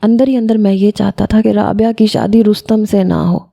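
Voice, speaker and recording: A woman narrates an audio story in the first person, speaking as a schoolboy. Her voice is dark and mellow, with a moderate pitch. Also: steady tone, vocal fry.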